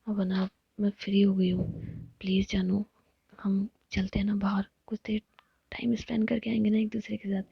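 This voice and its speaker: A woman voicing a playful tomboyish young woman who coaxes and pleads with her lover, in a husky, breathy whispered role-play. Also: medium pitch, little pitch movement, moderate pace, no room sound, muffled recording. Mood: coaxing.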